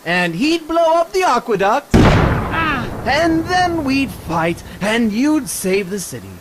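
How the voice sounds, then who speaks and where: Maniacal high-pitched Joker, wildly swooping. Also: male voice, very animated, takes it slowly, heavy background noise, heavily acted. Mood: gleeful menace. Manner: taunting, sing-song, swinging from hush to shriek. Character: maniacal, theatrical male killer clown, mocking and menacing. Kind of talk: superhero radio drama acting.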